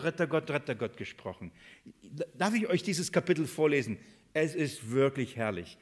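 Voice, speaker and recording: Preacher man, fervent sermon. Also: a little high. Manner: reads scripture aloud, slowing and stressing key words; asks the congregation rhetorical questions.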